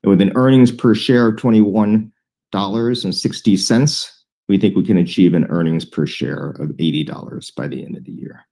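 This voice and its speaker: A man with a deep, dark-toned voice delivers an earnings presentation as a company executive. He speaks in a measured and deliberate way, often pausing to find the next phrase. The timbre stays relaxed and low. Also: creaky. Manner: measured, deliberate, with frequent hesitant pauses.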